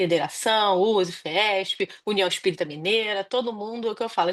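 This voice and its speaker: Speaking at a moderate pace in a Rio de Janeiro accent, a woman keeps a fairly even intonation. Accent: carioca. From Rio de Janeiro, Brazil. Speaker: spiritist children's educator. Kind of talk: spiritual reflection on a video call.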